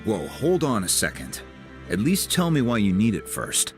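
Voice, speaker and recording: A seasoned tribal chief from a video game, with a low-pitched voice. He speaks frankly and with measured, fatherly care, cautious yet supportive, over soft music. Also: big pitch swings. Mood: grave, cautioning.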